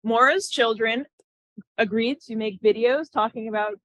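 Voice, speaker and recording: A woman moderating a panel, loud-voiced and brisk as she announces what comes next. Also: fairly high pitch, no echo, dull audio.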